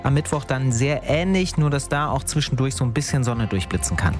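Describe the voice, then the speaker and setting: A man's voice: mid-range voice, animated, fairly quick. A man hosts the morning radio show, reading weather and traffic. He sounds chatty, friendly and upbeat. Music plays behind his voice. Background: music bed.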